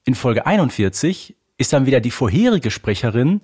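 Husky-voiced man co-hosting a podcast. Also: medium pitch, very animated, moderate pace, darkish tone. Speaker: podcast co-host. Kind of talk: casual discussion of an audio drama series.

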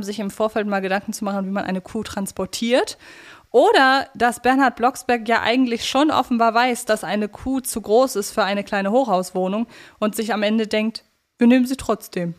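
A woman's voice: a little high, normal speed. A woman chatting casually as a podcast co-host, with a wryly amused manner. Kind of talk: casual chat reviewing an audio drama.

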